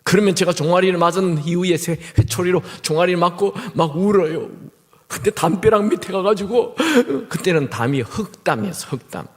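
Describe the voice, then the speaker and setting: A middle-aged male guest pastor preaching a sermon in a church, telling humorous stories in an animated way. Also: sits high, fairly quick. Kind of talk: sermon with storytelling. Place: church sanctuary. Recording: reverberant church hall.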